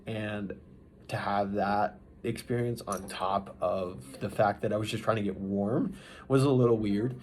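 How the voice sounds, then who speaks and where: A man with a fairly low voice talks casually as a vlogger, recapping in a loose, unscripted way. His delivery halts and restarts as he rambles through his thoughts. There is faint ambient noise in the recording. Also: steady tone, unhurried, darkish tone. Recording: noisy ambient background.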